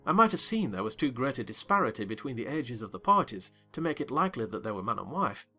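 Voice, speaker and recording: Bright, expressive male audiobook narrator. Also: medium pitch, quick pace, faint music behind. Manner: expressive, wry. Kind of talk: dramatized audiobook reading.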